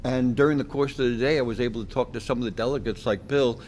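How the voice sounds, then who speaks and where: A man who is a guest at a hotel convention, recounting events in a measured way with small restarts. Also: mid-range voice, darkish tone, slight background noise.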